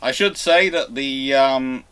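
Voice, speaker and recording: A man hosting a live question and answer stream in a casual way, halting as he thinks aloud. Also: medium pitch, a bit bright, clear, resonant tone.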